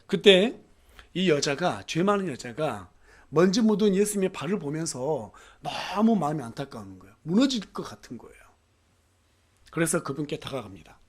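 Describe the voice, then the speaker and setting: High-voiced Korean pastor preaching earnestly. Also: male voice, big pitch swings, moderate pace, breathy edge. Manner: earnest preaching with frequent affirming fillers and rhetorical questions. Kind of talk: sermon. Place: church.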